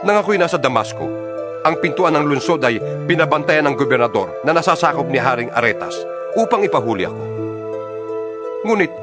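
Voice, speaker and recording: A man playing an earnest, defiant yet humble apostle in a dramatized audio Bible, speaking emphatically with dramatic pauses. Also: on the high side, lively intonation, close to an everyday voice. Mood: earnest recounting. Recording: music under the voice. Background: New-age style music.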